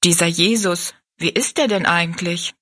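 In a storybook reading, a woman plays a young kitchen maid who is weary and bitter, speaking bluntly and complaining. Her voice is lowish and fairly bright, at a normal speed.

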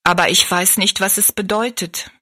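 Woman playing a bitter, overworked kitchen maid, bright but husky, storybook. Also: mid-range voice, steady tone, moderate pace. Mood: weary. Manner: tired, blunt, complaining.

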